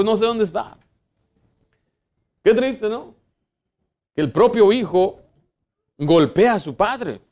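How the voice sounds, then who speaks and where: A man's voice: a little high, a little mellow. A man, a pastor preaching a sermon in church and putting earnest rhetorical questions to his congregation. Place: church sanctuary.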